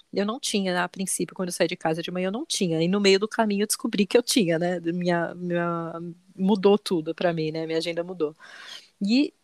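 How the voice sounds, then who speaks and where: A woman with a Brazilian accent, in her thirties, telling a lively story as a mother and acting out the dialogue. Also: medium pitch, no echo. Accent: Brazilian Portuguese. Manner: animated, quoting dialogue, many repetitions. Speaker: podcast guest, mother. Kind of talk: casual storytelling.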